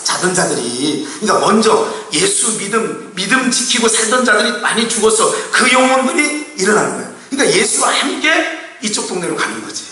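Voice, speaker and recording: A man with a high, bright, forceful voice preaches a sermon to his church. He talks casually, firing rhetorical questions at the congregation. The sound is a roomy, echoing hall, picked up from well back from the mic. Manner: colloquial and animated, with laughs and bursts of shouting. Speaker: pastor. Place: church sanctuary. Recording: echoey hall, mic far from speaker.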